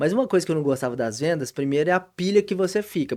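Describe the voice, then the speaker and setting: Speaking at a very fast pace, a man has a high pitch and ordinary pitch variation. He has a slight Minas Gerais accent, and the recording is very clean with a silent background. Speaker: podcast host. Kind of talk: casual chat. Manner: animated.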